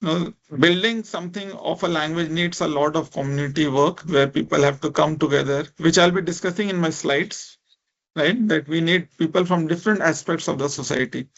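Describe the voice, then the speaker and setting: A man's voice: on the high side, brisk, vocal fry, lo-fi sound. A man from India with an Indian accent, speaking English as a second language, giving an informal, encouraging interactive online lecture and often checking in with "right?". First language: a minority language of India. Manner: informal, encouraging, repeats "right?" and "you know". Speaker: lecturer, speech technology researcher.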